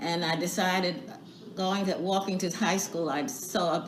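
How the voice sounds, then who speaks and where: A woman speaks at a moderate pace. Noticeable background noise and audible room echo surround her voice. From New Jersey. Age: 90s. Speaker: civil rights activist. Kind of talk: interview. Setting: pre-recorded video.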